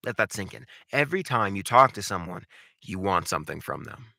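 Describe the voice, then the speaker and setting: A man giving an instructional monologue as a voice acting coach, speaking emphatically and deliberately, with dramatic pauses and repeated phrases. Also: sits low, animated, creaky, pushed and bright, no room sound, studio quality.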